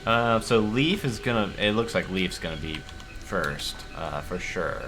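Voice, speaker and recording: A man running a tabletop game as game master, narrating casually and haltingly as he thinks aloud. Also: sits low, steady tone, noisy background.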